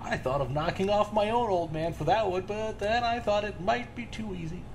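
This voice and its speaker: A man's voice: sits high, normal speed, a little hiss or hum. A man playing a chatty, volatile serial killer in an audio drama, rambling with casual menace and demanding answers. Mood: gleeful, boastful.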